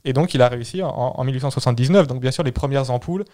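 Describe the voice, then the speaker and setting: A man's voice: mid-range voice, rapid-fire, a little mellow. Man telling history in casual chat. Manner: explanatory storytelling, repeats words while thinking. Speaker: podcast co-host telling history.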